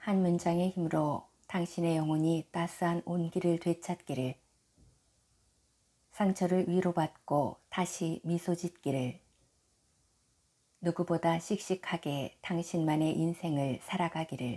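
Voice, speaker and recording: Over a silent background in a very clean recording, a woman with a fairly low pitch and a dark, mellow tone talks at a very slow pace, her intonation fairly even, her loudness very even, and her pauses long and frequent. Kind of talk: audiobook essay reading.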